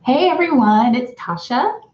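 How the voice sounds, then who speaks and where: A woman's voice: high-pitched, lively intonation, unhurried. Young woman, upbeat live-stream host, echoey room, muffled audio. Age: young adult. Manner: chatty, upbeat, greets viewers by name. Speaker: vlog co-host. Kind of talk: casual live-stream chat. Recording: roomy, slightly dull live-stream audio.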